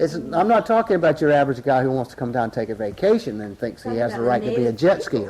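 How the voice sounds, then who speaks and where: Over noticeable background noise, a man with an American accent talks at a very fast pace with hardly any pauses. His pitch is medium and his intonation is lively. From Hatteras, North Carolina, Outer Banks. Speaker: Outer Banker, local resident recalling net camps. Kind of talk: interview answer, oral-history recollection. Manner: conversational, storytelling, digressive.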